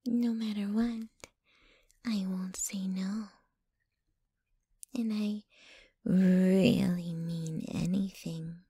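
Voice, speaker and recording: A woman's voice: medium pitch, steady tone, very slow, pauses often, dark tone, dry recording, heavily acted. A woman playing a jealous, possessive, dominant yet clingy young girlfriend in an intimate, whispery ASMR roleplay, close to the microphone. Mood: tender. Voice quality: breathy, whispery. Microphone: close microphone, dry.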